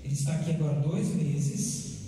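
A man's voice: fairly high pitch, steady tone, moderate pace, warm tone, distant mic. Man interpreting in an echoey church. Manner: relaying each phrase in turn. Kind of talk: consecutive interpreting. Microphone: handheld mic.

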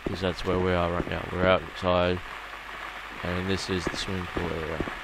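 A man with an Australian accent giving casual, halting gameplay commentary that trails off into asides, on a noisy home recording. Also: deep voice, level tone. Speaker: gamer recording a let's play.

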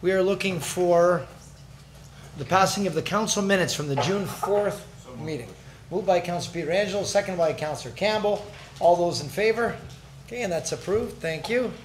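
High-voiced mayor chairing a meeting. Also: male voice, a little hiss or hum. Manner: brisk, chatty, joking asides. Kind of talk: formal council meeting announcements. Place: large council chamber. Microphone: desk microphone.

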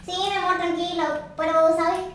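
A woman's voice: very high-pitched, flat delivery, fairly quick, fairly bright tone. A woman playing a girlfriend in a game role-play, pleading and worried. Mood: calm. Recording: roomy with noticeable background noise.

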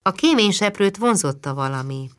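A woman narrating a literary audiobook in a calm, measured way. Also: mid-range voice. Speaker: audiobook reader.

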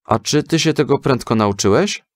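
A man voicing an eager, proud young schoolboy in a children's story, earnest and animated. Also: mid-range voice, moderate pace, no room sound, studio quality, pitched above the performer's own voice, close to an everyday voice. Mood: eager, questioning.

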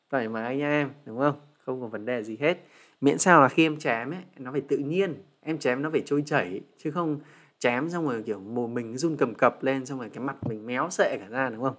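A young man with a Vietnamese accent, teaching English on a livestream, who switches between slow, careful model answers and chatty, teasing asides. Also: mid-range voice, a bit bright, husky. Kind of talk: livestream lesson.

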